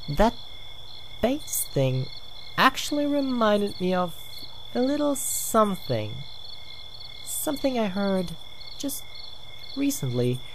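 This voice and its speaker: A performer playing a laid-back horror storyteller who talks in a halting way, with pauses. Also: medium pitch, a little hiss or hum, rough recording. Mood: wry. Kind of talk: scripted horror storytelling and acted banter.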